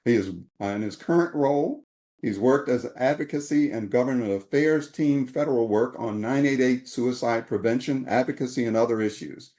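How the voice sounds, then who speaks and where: Mellow man reading a formal introduction. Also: mid-range voice. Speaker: moderator.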